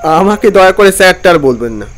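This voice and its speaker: A man playing a weary traveller who narrates his own animated ghost story expressively. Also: sits high, fairly quick, a little hiss or hum. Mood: uneasy. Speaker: narrator and main character. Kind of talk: dramatized first-person horror narration.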